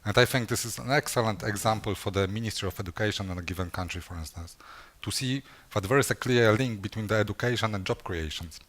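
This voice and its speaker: A man's voice: on the low side, quick pace, hardly any pauses, fairly bright tone. A man speaking at a conference, answering audience questions in a hesitant way with many fillers and restarts. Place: conference session room.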